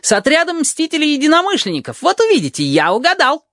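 A very high, jumpy voice of a gossipy teenage boy who yells and giggles in an audiobook, put on by a man reading. The delivery swings widely up and down. The sound is close and dry. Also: huge pitch swings, fast talker, no room sound, heavily acted. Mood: excited yelling. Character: shrill excitable teenage boy nicknamed jackal.

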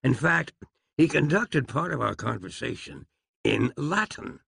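A man's voice: medium pitch, very animated, unhurried, vocal fry, sharp tone, husky, no room sound, clean studio sound, voice pushed up, full character voice. A man voicing a fussy, polite, educated doctor who speaks in a prim, formal, wordy way.

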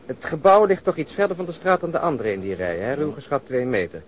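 A man's voice: mid-range voice, very animated, quick pace, lightly acted. An actor as a commanding senior policeman, faint noise. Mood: decisive. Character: commanding senior policeman planning a rooftop operation. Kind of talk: Dutch radio drama dialogue.

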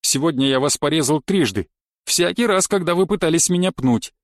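A man's voice: on the high side, lively intonation, fairly quick, no room sound, clean studio sound. A man voicing a pedantic male knife-fighting coach who lectures dryly and thoroughly in an audiobook. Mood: lecturing. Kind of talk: audiobook character reading.

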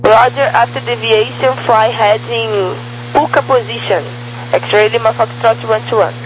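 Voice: medium pitch, fairly even intonation, measured pace. Air traffic controller over humming radio. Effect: aviation radio transmission. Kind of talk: clipped radio phraseology. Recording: humming, noisy aviation radio.

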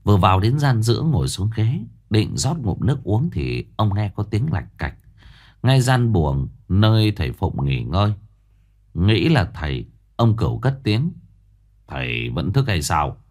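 A man tells a ghost story with a deep, husky voice. His pitch rises and falls a great deal as he builds the scene. Soft music plays faintly behind him. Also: very animated, unhurried. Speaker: narrator.

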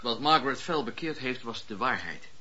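An actor playing a fervent, earnest wandering preacher of the seventeenth century, declamatory, in a radio drama. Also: male voice, medium pitch, expressive, bright, forceful tone, husky, heavily acted. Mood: earnest, assured. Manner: declamatory, impassioned storytelling with dramatic pauses. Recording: dull, lo-fi radio play recording.

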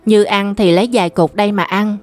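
A woman's voice: medium pitch, steady tone, a little fast, darkish tone, soft background music, close to an everyday voice. A woman voicing a pampered young girl who grumbles back at her brother. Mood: petulant. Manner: petulant, grumbling. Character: young girl, pampered half-sister, petulant.

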